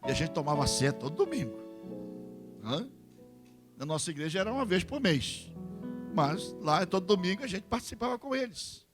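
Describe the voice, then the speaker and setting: A man's voice: high voice, fairly quick, long pauses. A man with a Brazilian Portuguese accent preaching a sermon at a church service. He acts out little dialogues among church members and often tags his sentences with a questioning "hã?". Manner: animated preaching, acting out congregation dialogue. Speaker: pastor. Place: church service with live music. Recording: church sermon over guitar music.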